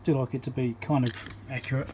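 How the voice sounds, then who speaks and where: An electronics repair presenter talking casually as he works at his home workbench, thinking aloud with frequent ums and pauses. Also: mid-range voice, level tone, noisy background. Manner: thinks aloud with many ums, counts into the mic.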